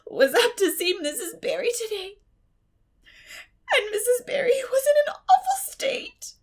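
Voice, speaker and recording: A woman's voice: very high voice, sing-song, a little slow, voice pushed up, full character voice. A woman voicing a dramatic, effusive young girl in a storybook, with a gushing, wailing manner. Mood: wailing, tearful.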